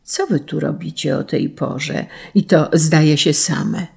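A woman voicing a kindly uncle who gently teases and explains things to children. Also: low-pitched, steady tone, slow, vocal fry, breathy edge, heavily acted. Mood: puzzled. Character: kindly, amused uncle, a grown man.

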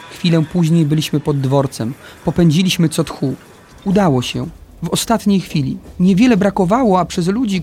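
A man narrating a children's adventure story in the first person, with a lively storytelling delivery. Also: high-pitched, a little hiss or hum.

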